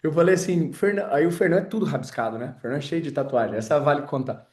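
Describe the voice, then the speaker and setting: A man's voice: on the high side, fast, a little mellow, reverberant. A man teaching an informal sales class, chatty and full of personal stories, talking straight to his audience. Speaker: sales trainer.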